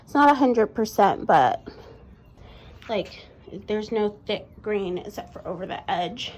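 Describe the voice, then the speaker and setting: A woman's voice: medium pitch, animated, a little slow, a little mellow. A woman vlogging in a casual, chatty, informal way, peppering her talk with "like". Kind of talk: casual chat to camera. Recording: clear background noise.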